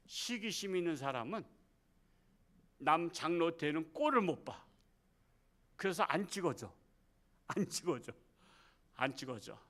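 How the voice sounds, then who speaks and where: A middle-aged male pastor preaches a Wednesday service in a church, his voice pitched high and sounding bright. He talks with the congregation in a loose, conversational way, firing rhetorical questions and acting out the speech he quotes. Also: animated, unhurried, pauses often. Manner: acts out quoted speech in the sermon. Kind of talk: Wednesday evening sermon. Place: church sanctuary.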